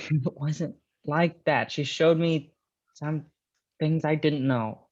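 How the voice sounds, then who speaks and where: Muffled, lo-fi audio of a wary, defensive miner acted by a man in a drama table read. His voice is a little high and his delivery hesitant and drawn out. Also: steady tone, slow, darkish tone. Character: wary, defensive miner reluctant about the union.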